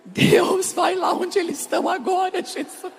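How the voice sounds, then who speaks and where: A woman's voice: very high-pitched, moderate pace, creaky, faint music behind. A middle-aged woman pastor, preaching through a personal story and speaking straight to the audience. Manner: emotional, laughing and crying as she tells the story; talks directly to the audience, very animated.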